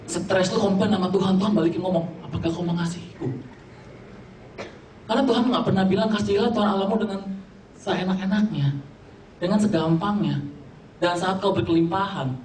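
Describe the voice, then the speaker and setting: Young preacher, chatty and joking, mixes in English; roomy hall sound, faint background noise. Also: male voice, high voice, a little fast, long pauses. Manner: chatty Jakarta slang mixed with English, joking with the audience. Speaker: youth preacher. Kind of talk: casual sermon. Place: church hall. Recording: echoey hall, distant mic, faint ambience.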